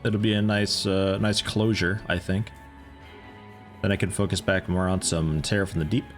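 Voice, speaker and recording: A man's voice: sits low, fairly even intonation, moderate pace, soft background music. A man in his thirties giving rambling, casual commentary while livestreaming a game, swearing now and then. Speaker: gaming livestreamer.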